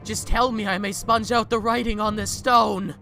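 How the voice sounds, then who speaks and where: Man acting proud, theatrical man, high bright voice. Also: flat delivery, moderate pace, creaky, faint music behind, full character voice. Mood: desperate pleading. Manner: theatrical, pleading. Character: proud rich man turning frightened and desperately repentant. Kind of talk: dramatic audio drama acting.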